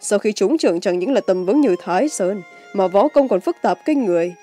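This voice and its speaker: Casting: arrogant young male wuxia villain female reader acting, mellow but mocking, music bed. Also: medium pitch, expressive, fairly quick, close to an everyday voice. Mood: loud, boastful. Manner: taunting, smug.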